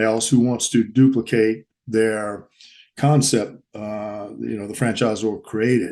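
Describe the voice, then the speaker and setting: Speaking in a New Orleans accent, a man keeps a fairly slow pace. His medium-pitched voice has a dark, mellow tone. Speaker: franchise consultant. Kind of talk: interview. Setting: video call. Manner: halting, many fillers.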